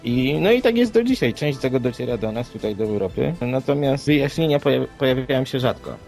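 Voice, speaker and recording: Man, mid-pitched, conversational podcast co-host with halting phrasing; faint music underneath. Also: animated, a little mellow. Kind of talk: conversational discussion of news reports. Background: background music.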